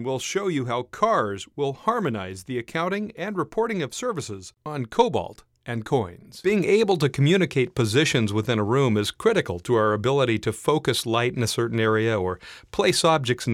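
A man reading scripted training narration with clearly enunciated, instructional delivery, as an e-learning voiceover narrator. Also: medium pitch, sing-song, normal speed, no room sound, studio quality. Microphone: close studio voiceover mic.

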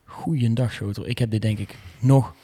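Man, podcast host, casual football chat, indignant, opinionated, mid-pitched voice. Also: steady tone, normal speed, dark tone, slightly rough. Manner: indignant, opinionated about refereeing.

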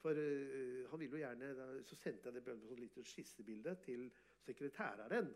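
A man, an artist and photographer, telling animated, boastful stories in an interview and often laughing. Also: mid-range voice. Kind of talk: casual storytelling interview.

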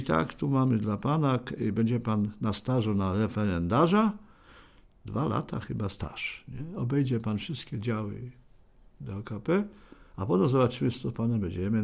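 A man's voice: mid-range voice, vocal fry, darkish tone. An older man telling the story of his working life in a rambling oral-history style, often adding a questioning aside at the end of a sentence and acting out what people said. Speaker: interviewee recounting his life.

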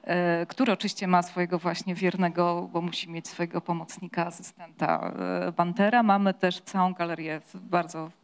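A halting, low-voiced woman interviewer. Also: level tone, clear, resonant tone. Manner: halting, many fillers and restarts. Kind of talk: book discussion.

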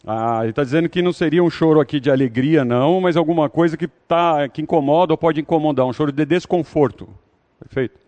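A man's voice: a little high, quick pace, a little mellow. A man leading an interactive Bible study, talking conversationally and putting questions to the audience.

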